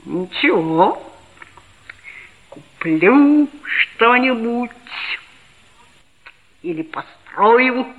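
A woman's voice: a little high, lively intonation, drawn-out words, pauses often. A woman playing a chatty, teasing red-haired schoolboy who narrates, in 1960s radio drama style. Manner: teasing, needling questions. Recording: tinny old 1960s radio recording.

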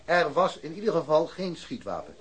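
A man's voice: fairly high pitch, big pitch swings, moderate pace. An actor playing a careless, defensive male policeman in a radio play, dismissive and blustering. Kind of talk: radio drama acting.

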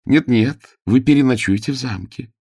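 A man's voice: medium pitch, normal speed, mellow, husky, no room sound, clean studio sound, voice pushed up. A man voicing a beautiful, melodious noble lady in a storybook reading, sweet-sounding but cruel underneath. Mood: sweetly coaxing. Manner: sing-song and coaxing. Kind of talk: audiobook character reading.

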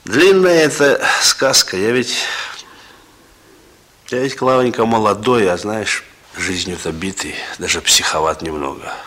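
A young, laconic man with a hard past and a colloquial, gently teasing manner. His voice is very deep and slow, yet bright in tone. It is old radio-theatre acting. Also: expressive. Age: young adult. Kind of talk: 1960s radio drama acting.

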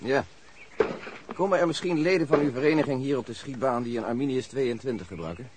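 Male actor as inquiring police investigator, mid-pitched, clear background noise outdoors, radio play. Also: a little fast, lightly acted. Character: questioning male police investigator, politely businesslike. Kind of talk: radio drama acting.

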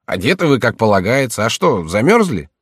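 A man's voice: big pitch swings, a little fast, breathy edge, dry recording, studio quality. A man voicing a fretful older servant in a read-aloud tale, in a raised, fussing voice. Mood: reassuring. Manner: high, fussing, chiding.

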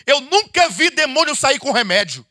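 A man's voice: very high-pitched, moderate pace, dry recording, clean studio sound. A man from Brazil, a bishop teaching a church Bible study to his congregation in a conversational sermon, firing off rhetorical questions and calling his listeners "dear ones". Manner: animated, rhetorical questions, addresses listeners as "queridos". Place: church meeting hall.

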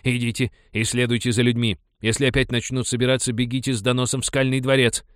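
A man's voice: medium pitch, level tone, quick pace, smooth, no echo, studio quality, pitched above the performer's own voice, lightly acted. A man voicing a stern male tribal priest giving curt orders, in an audiobook. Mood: commanding. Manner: curt, commanding.

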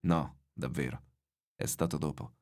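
A man voicing an exhausted old fisherman in a read-aloud novel, speaking low and subdued. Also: fairly even intonation, a little slow, a little mellow. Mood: weary. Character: exhausted old male fisherman, quiet and weary.

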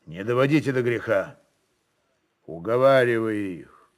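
A man voicing a bold, forceful Cossack chieftain in a radio play, commanding and theatrically mock-humble. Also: on the low side, lively intonation, a little slow, voice pushed down. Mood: serious, pressing.

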